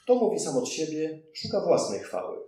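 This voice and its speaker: A man reading as a solemn male teacher who addresses a crowd with emphatic, rising declamation. His mellow voice swings widely in pitch. It sounds far from the mic in a very echoey space. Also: big pitch swings, normal speed. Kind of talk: read-aloud scripture quotation.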